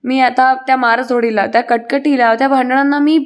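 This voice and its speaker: A woman's voice: sits high, fairly even intonation, normal speed, lightly acted. A woman reading the lines of a tearful young wife who complains and pleads, in a plain reading voice. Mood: tearful complaint. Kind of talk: reading a serial recap aloud.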